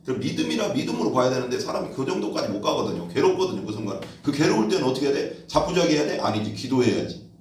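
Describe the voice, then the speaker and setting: A man's voice: medium pitch, big pitch swings, fast, darkish tone. A male pastor preaching a sermon in a conversational way, asking rhetorical questions and acting out quoted voices. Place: church hall. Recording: echoey room from far off.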